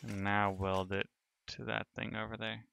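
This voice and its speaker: A man's voice: lowish voice, level tone, moderate pace, vocal fry, noisy background. A man streaming a sandbox building game, thinking aloud in casual commentary as he narrates each step of his work.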